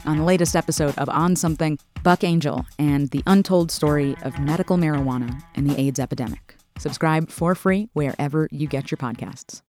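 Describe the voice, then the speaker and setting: A smooth announcer reads a scripted podcast promo at a mid pitch. Faint music plays underneath. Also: fairly quick, few pauses, a little mellow.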